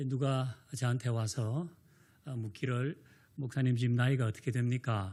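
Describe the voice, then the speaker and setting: Moderately paced and somewhat breathy, a man talks with a dark, mellow tone. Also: medium pitch for a man, fairly even intonation. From South Korea. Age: 50s. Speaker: pastor. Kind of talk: sermon.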